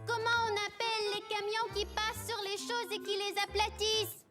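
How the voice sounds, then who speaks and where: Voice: extremely high pitch, level tone, moderate pace, over loud music. A performer voicing an eager preschool boy in a French children's cartoon, with simple childlike wording. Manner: eager, childlike, searching for words. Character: eager little preschool boy, Caillou's playmate.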